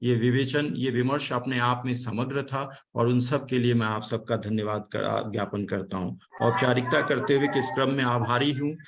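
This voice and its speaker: A man from India speaks in a formal, explanatory way over a video call. His pitch sits in the middle range, and he often pauses and corrects himself mid-sentence. He sounds like a speaker addressing an online seminar. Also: fairly even intonation. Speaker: speaker giving vote of thanks.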